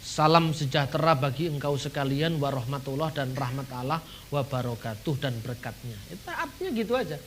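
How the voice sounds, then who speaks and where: A middle-aged man from Indonesia giving an animated seminar talk, acting out dialogues and chuckling now and then. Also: mid-range voice, a little fast, few pauses, slight background noise. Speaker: seminar speaker.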